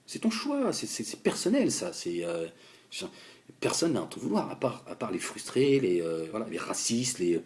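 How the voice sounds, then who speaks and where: A young French man giving a heated political monologue, halting and repeating words as he addresses a politician directly. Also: on the low side, sing-song, a little mellow. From France. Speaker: political commentator.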